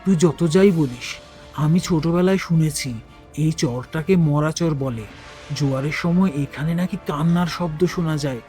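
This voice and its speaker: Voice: mid-range voice, moderate pace, dark tone, lightly acted. An actor voicing an uneasy, watchful twelve-year-old schoolboy in a cartoon, speaking with apprehension. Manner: worried, apprehensive. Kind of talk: cartoon dubbing. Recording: music bed behind voice.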